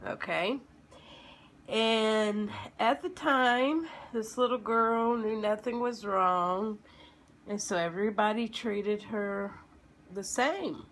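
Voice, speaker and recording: A woman in her thirties with a slightly froggy, under-the-weather voice, telling a personal story informally and haltingly, as if to children. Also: mid-range voice, a bit bright, slight background noise. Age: 30s. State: sick with a lingering illness.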